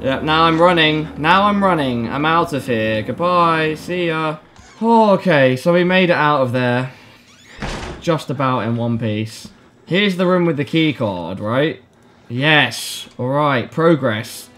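A man's voice: on the high side, lively intonation, slow, a bit bright. A young man giving scared, reactive horror game commentary, nervously pleading and repeating himself, often with dry jokes. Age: young adult. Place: small home room.

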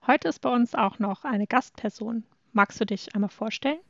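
Gravelly woman podcaster in her twenties. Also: fairly high pitch, fairly bright tone, no room sound, lo-fi sound. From Germany. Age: 20s. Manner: reads content notes in a measured way. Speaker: podcast co-host. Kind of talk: casual podcast chat.

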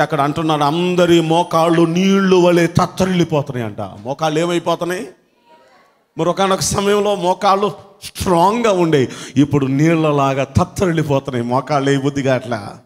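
Man preaching in a reverberant hall. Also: on the high side. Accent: Telugu. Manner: preaching with drawn-out emphatic phrases and call-and-response. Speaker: pastor. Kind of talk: sermon.

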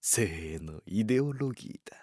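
A man playing a cold, philosophising torturer, calmly cruel, with slow, hushed, controlled menace, anime-style. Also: lowish voice, no echo, studio quality. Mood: cold, menacing. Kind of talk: anime-style dramatic acting.

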